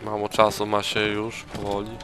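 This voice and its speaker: A man's voice: lowish voice, monotone, normal speed, a bit bright, soft background music. A tired man giving crude casual gaming commentary, swearing heavily and throwing in mock battle cries. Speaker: let's play gamer.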